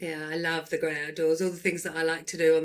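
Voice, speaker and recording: A woman speaks with an Essex accent. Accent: Essex twang. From England, Essex. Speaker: podcast host. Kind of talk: casual interview chat.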